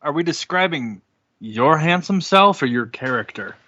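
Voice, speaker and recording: A man's voice: on the high side, expressive, moderate pace, sharp tone, lo-fi sound. A man in his thirties bantering casually as a podcast player, cocky and teasing. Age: 30s.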